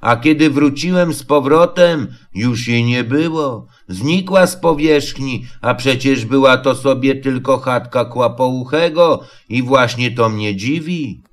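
A man voicing a gloomy, sulky old donkey in a storybook reading, with a slow, mournful drawl. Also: medium pitch, natural voice.

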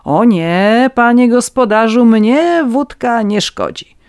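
A reader voicing a fawning, red-nosed petty scribe, a man who begs for vodka and wheedles his listeners in a high, eager voice. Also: animated, takes it slowly, clear, resonant tone, dry recording, clean studio sound. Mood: wheedling. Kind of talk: audiobook reading.

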